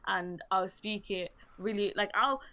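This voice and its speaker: A woman chatting casually on a podcast, talkative and quick to laugh. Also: mid-range voice, pushed and bright. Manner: chatty, laughs easily, self-conscious. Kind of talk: casual chat.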